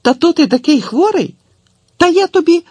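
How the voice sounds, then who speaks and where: A man voicing a quick-tempered peasant woman who scolds in sharp exclamations. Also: very high voice, expressive, no echo, pitched above the performer's own voice. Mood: scolding.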